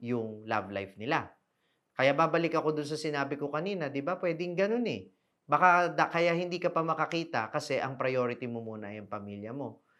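A man with a normal speaking voice, fairly high pitch and lively intonation, with a quiet background. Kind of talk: advice podcast monologue.

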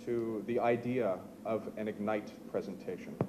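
Over noticeable background noise, the speech moves at a moderate pace. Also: man. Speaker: innovation lab team member, event emcee. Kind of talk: event presentation and emceeing. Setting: stage with audience. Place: hall. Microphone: handheld.

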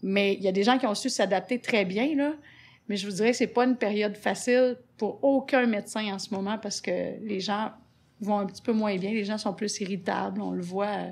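Speaking in a Beauce accent, a woman keeps a moderate pace and fairly even intonation. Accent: Quebec French, Beauce. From Beauce, Quebec. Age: 40s. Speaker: family doctor and DJ. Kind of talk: casual podcast interview. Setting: studio. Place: studio. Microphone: studio mic.

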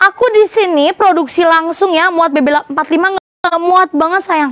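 Against a quiet background, a woman speaks in an animated tone with ordinary pitch variation. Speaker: clothing seller. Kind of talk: live sales pitch. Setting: live stream. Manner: animated, chatty. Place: shop. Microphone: phone near.

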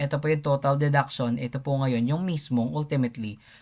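A somewhat breathy man's voice at a fairly high pitch, on a very clean recording with a silent background. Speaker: accounting lecturer. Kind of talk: lecture. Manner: casual Taglish with frequent fillers.

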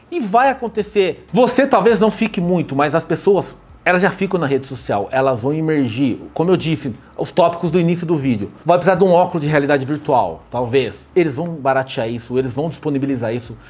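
A man with a fairly high pitch speaks at a fairly quick pace with hardly any pauses, his pitch swinging very widely. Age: 40s. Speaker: tech YouTuber. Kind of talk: casual explainer video to camera. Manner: animated. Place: studio.

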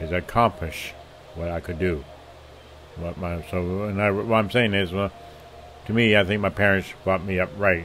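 In a Nova Scotian accent, a man with a very deep, low pitch speaks at a moderate pace with fairly even intonation and long, frequent pauses, over light background noise. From Canada, Nova Scotia. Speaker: vlogger. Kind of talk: casual vlog answering tag questions. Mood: relaxed and chatty. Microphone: webcam.

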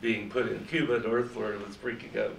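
Someone talks at a fairly quick pace, with audible room echo and light background noise. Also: man. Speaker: former diplomat; panelist. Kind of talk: panel talk. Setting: stage with audience. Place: meeting room. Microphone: camera far.

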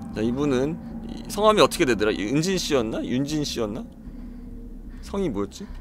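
Over noticeable background noise, a man speaks at a moderate pace in a fairly high pitch with very wide pitch swings. The sound is dry with no echo. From South Korea. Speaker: gaming streamer. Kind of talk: live gameplay commentary. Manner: animated.

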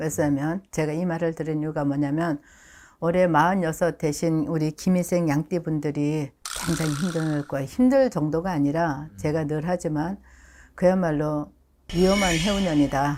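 A woman's very deep, low voice with a dark, mellow tone at a moderate pace, in a very clean recording over a silent background. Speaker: shaman fortune teller. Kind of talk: fortune telling consultation.

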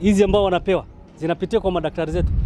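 Over music in the background, a man speaks with a high pitch. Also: dry sound with no echo. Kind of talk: press statement. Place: street. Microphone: handheld.

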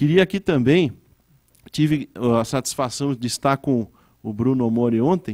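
A man talks fairly slowly with ordinary pitch variation, the background quiet. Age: young. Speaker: state legislator. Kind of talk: formal speech. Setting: auditorium. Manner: hesitant with fillers. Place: hall. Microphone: podium.

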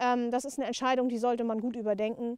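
A woman with a high pitch and a dark, mellow tone speaks at a moderate pace. The sound is dry with no echo, against a quiet background. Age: 50s. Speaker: shepherd and dog breeder. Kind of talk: interview. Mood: calm, matter-of-fact. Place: open country.

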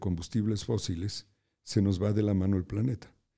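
A man's voice is fairly low and dark, with a mellow tone and a moderate pace. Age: 70s. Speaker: entrepreneur. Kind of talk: interview. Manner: halting.

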